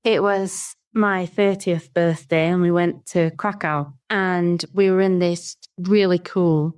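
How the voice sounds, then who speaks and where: A woman's voice: fairly low pitch, steady tone, slow pace, darkish tone, smooth. A woman, a podcast guest who answers in an easygoing, thoughtful way. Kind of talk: casual interview answers.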